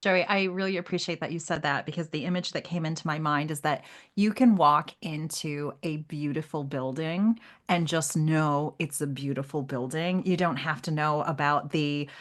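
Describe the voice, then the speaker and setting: Female podcast co-host, low register, casual literary conversation with an animated, conversational delivery. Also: moderate pace.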